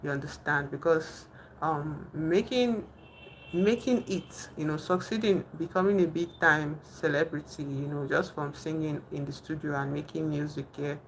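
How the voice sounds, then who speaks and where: Young Nigerian woman, Nigerian accent, low voice, gravelly fry, live-stream chat, many fillers and restarts. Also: moderate pace, a little hiss or hum, rough recording. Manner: chatty, thinks aloud with many fillers and restarts, reads viewers' comments. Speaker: livestream host.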